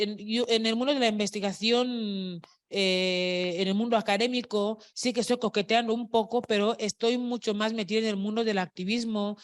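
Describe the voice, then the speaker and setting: A woman speaking on a panel at a public event, unscripted, with many fillers and restarts as she searches for her words. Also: medium pitch. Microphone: microphone at a public talk.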